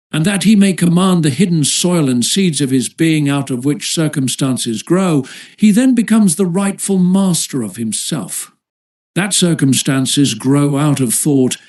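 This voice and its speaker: Higher-pitched man narrating an audiobook. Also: a little mellow. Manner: measured, formal reading.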